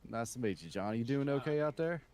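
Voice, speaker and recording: A man's voice: mid-range voice, lively intonation, fast talker, a little mellow. A man chatting casually in character in an online roleplay game, with a friendly, helpful manner. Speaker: roleplay gamer playing a survivor. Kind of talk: improvised in-character casual chat.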